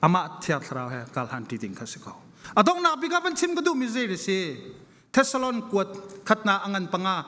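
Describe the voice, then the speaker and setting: High-pitched, fervent male preacher in echoing hall. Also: wildly swooping pitch, brisk, bright, forceful tone. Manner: emphatic, repeats phrases for stress. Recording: long echoing hall reverberation.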